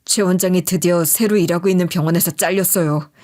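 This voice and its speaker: A woman's voice: lowish voice, fairly even intonation, quick pace, warm tone, natural voice. Aggrieved, pleading office manager, read by a woman. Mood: bitter. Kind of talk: dramatized audio story.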